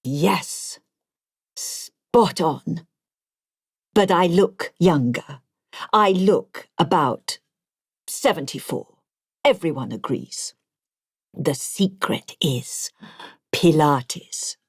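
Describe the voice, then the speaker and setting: A woman voicing a precise, genial and rather vain gentleman of eighty in an audiobook, speaking deliberately and with self-satisfaction. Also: deep voice, lively intonation, breathy edge, no echo, studio quality, exaggerated voice. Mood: proud.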